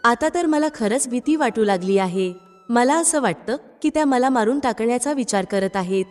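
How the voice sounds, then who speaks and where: A woman's voice: on the high side, expressive, moderate pace, lightly acted. A woman narrator voicing a scheming, resentful young wife in a storybook, reading her lines in a plain voice. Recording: long reverb with background music.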